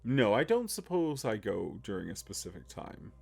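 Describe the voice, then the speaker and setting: A man's voice: on the low side, huge pitch swings, normal speed, creaky, husky, voice pushed down, full character voice. A man playing a courtly island baron. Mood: genteel. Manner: courtly, evasive, hesitant. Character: smooth-talking island baron, middle-aged man.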